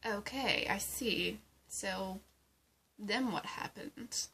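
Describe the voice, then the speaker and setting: A woman playing a haughty, seductive plant villainess with a breathy voice and a condescending, theatrical drawl in an amateur roleplay. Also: mid-range voice, extremely slow, pushed and bright, exaggerated voice, poor audio. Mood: dismissive, cool.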